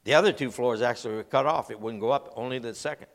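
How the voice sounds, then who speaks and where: A man, preaching and telling a funny story with lively delivery. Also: mid-range voice, fast, long reverb tail. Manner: animated storyteller, acts out voices and laughs. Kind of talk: humorous sermon illustration.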